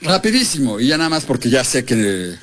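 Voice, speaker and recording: A man's voice: medium pitch, big pitch swings, fairly quick, fairly bright tone, soft background music. A man, a radio show regular telling comic stories with crude punchlines.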